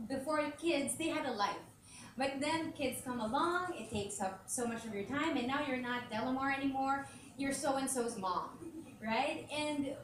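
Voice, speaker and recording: A woman gives a frank, chatty speech at a press conference. Her voice rings through a large, reverberant hall. It sounds distant from the mic, with clear ambient noise underneath. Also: high voice. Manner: candid, conversational, laughs easily. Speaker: radio host, brand ambassador.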